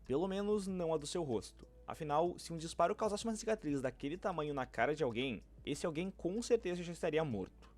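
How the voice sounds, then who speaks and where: A man's voice: fairly high pitch, animated, fast, few pauses, darkish tone. A man with a Brazilian accent delivering scripted narration as a fan-theory video narrator.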